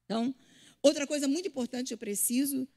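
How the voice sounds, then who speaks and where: A woman preaching a sermon to a church, lively and full of swings between loud and soft, acting out the voices she quotes. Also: high voice, brisk. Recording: long hall reverb.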